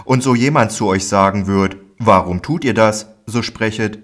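Male reader voicing a commanding teacher figure for an audiobook Bible: lowish, calm, solemn. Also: normal speed.

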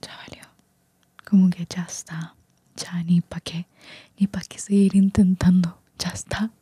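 A woman's voice: lowish voice, level tone, unhurried, mellow, slightly rough, dry recording. A woman whispering ASMR-style into a close singing microphone, explaining slang and mixing in English words. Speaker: vlogger teaching slang.

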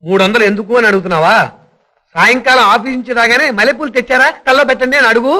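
A man's voice: extremely high pitch, rapid-fire, pushed and bright, full character voice. An actor playing a cheeky, joking young husband who banters with his family. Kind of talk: 1980s Telugu film comedy acting.

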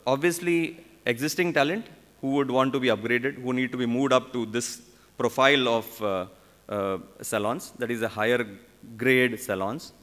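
A man in his forties with an Indian English accent, speaking at a conference podium in a halting way, with many fillers and restarts. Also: mid-range voice, steady tone, a bit bright. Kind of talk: conference panel talk. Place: large conference hall on stage. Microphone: podium microphone. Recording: long hall reverb.

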